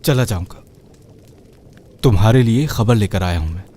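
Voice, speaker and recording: A man's voice: lowish voice, lively intonation, normal speed, mellow. A man voicing a boastful but cowardly young suitor with a pleading, wheedling manner.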